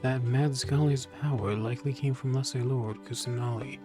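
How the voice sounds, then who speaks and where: A woman's voice: very deep voice, fairly even intonation, moderate pace, music in the background. A woman streaming a video game, reading dialogue aloud and adding playful asides.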